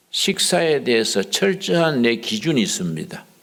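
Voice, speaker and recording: His pitch rises and falls across a very wide range. The man's voice carries audible room echo. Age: 70s. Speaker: pastor. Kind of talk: sermon.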